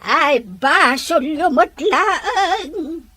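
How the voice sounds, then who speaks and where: A woman acting as an indignant older female relative in an audio drama, scolding emphatically with drawn-out words. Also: high voice, lively intonation, sharp tone, no echo, full character voice.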